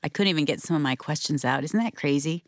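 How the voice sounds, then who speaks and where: A woman's voice: low voice, fast talker, no room sound, studio quality. A middle-aged woman co-hosting a faith-based marriage show, talking earnestly and candidly about her feelings. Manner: heartfelt and candid, speaks openly about feelings. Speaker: co-host of a marriage radio show.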